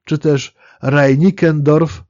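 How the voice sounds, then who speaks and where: Dark-voiced man lecturing with hesitant fillers. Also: on the high side, steady tone, no room sound, highs cut off. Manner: measured, explanatory, with fillers and self-corrections. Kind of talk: spoken history lecture.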